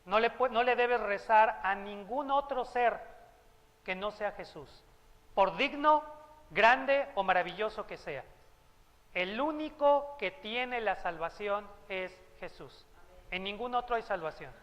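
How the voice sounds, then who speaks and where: Mexican-accented male pastor, conversational humorous sermon, high pitch, reverberant church hall. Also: expressive, a little slow, fairly bright tone, highs cut off. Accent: Mexican Spanish. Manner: humorous, conversational preaching with asides.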